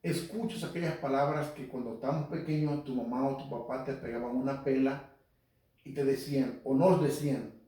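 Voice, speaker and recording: A man's voice: mid-range voice, steady tone, brisk, warm tone. A man teaching the Bible on the radio in an earnest, conversational preaching style. He often repeats himself and speaks straight to his listeners. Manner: earnest, repetitive, addresses listeners directly. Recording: very echoey, speaker far from mic.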